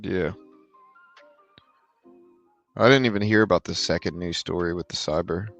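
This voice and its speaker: A tired man with a very deep voice, hosting a live trading stream in a relaxed, rambling way and answering chat questions. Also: moderate pace, soft background music. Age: adult with a daughter. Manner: relaxed, rambling, filler-heavy explaining. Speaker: livestream trading host. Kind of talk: casual live market commentary, reading chat questions.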